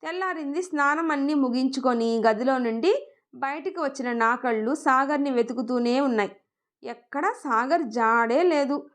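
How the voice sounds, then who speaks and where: A woman narrating a first-person love story in a gentle, expressive way. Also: sits high, normal speed.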